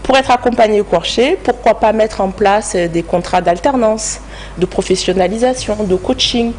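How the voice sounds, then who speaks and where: A woman with a French accent and a medium-pitched voice speaks as an interview guest. She explains points step by step like a professional expert. Faint noise sits behind her in the studio. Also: normal speed, a little mellow. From France. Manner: structured, explanatory, step-by-step answers. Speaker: guest expert, human resources director.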